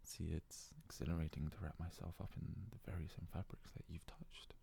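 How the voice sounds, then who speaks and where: A man playing a devoted, self-abasing young yandere fox-boy servant in an ASMR roleplay, worshipful and hesitant, often slipping into breathy whispers. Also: sits low, steady tone, a little fast, dark tone, slight background noise. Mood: sheepish confession. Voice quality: husky, gravelly, breathy, often dropping to a whisper.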